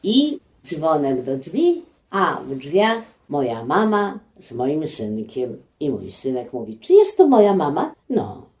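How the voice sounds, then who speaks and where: Older woman recalling memories, halting delivery. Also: sits low. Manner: halting, conversational, animated when quoting. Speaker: eyewitness recalling personal memories. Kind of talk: spontaneous oral history recollection.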